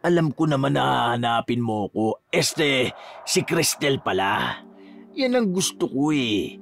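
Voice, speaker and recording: A man's voice: medium pitch, animated, normal speed, gravelly, a bit bright, faint music behind. A man voicing a smug male aswang villain who taunts and mocks. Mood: taunting. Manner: mocking, taunting.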